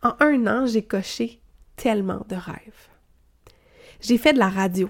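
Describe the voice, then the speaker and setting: With a Quebec accent, the speaker has an animated tone and ordinary pitch variation at a fairly slow pace. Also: woman. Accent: Québécois French. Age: 20s. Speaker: podcast host. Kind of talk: casual solo monologue.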